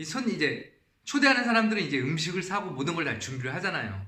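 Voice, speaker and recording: High-pitched male voice with very wide pitch swings and a bright, sharp tone, plus audible room echo. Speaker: YouTuber sharing immigrant life tips. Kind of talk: casual vlog tutorial. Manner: halting, searching for Korean words.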